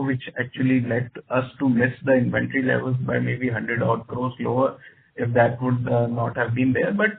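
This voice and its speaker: A man with an Indian accent, speaking as a company executive, explaining business matters deliberately, point by point. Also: mid-range voice, gravelly, slightly rough. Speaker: company executive on an earnings call. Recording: dull conference phone line.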